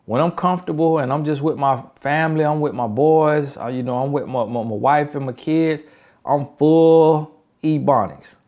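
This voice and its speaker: A man's voice: a little high, moderate pace, a little mellow. A man with a country Southern accent giving relationship advice in an emphatic, repetitive motivational style. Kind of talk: motivational talk.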